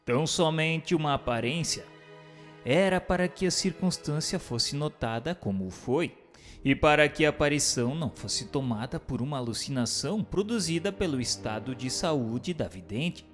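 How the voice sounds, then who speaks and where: A man's voice: on the high side, animated, normal speed. A man gives a scripted, formal and didactic reading of a book of questions and answers. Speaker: narrator. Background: music.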